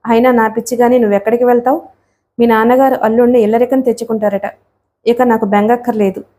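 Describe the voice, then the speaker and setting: A woman's voice: a little high, little pitch movement, quick pace, mellow, natural voice. A woman voicing an anxious middle-aged mother who speaks in a pleading, heartfelt way.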